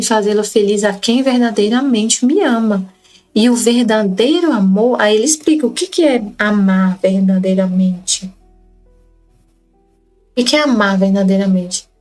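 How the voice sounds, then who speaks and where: A woman's voice: mid-range voice, darkish tone, rough recording. Earnest Brazilian woman explaining devotional texts. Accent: Brazilian Portuguese. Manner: earnest, repeats phrases to stress them. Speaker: Catholic study group leader.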